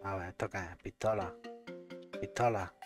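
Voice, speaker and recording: A man's voice: low voice, fairly even intonation, moderate pace, soft background music. A man casually commentating a game, chatting to himself and swearing now and then. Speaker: gameplay commentator.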